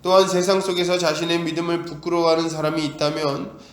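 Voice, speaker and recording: The church echoes as he speaks quickly in a fairly high voice with little pitch movement. Preaching with emphasis, he asks rhetorical questions and imitates what the doubters and God say.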